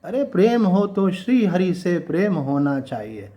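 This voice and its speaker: A man giving a conversational devotional sermon, asking his listeners rhetorical questions and reciting couplets slowly. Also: high voice, sing-song, dark tone. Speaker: swami giving a Gita discourse.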